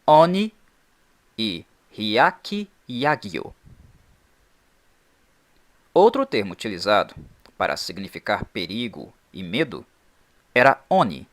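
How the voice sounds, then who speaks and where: Man reading a lively explainer. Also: lowish voice, slow pace, long pauses. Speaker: channel host.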